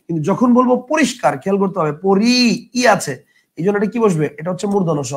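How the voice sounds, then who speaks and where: A young man teaching an online grammar lesson, repeating words slowly and answering his own questions. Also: high-pitched, animated.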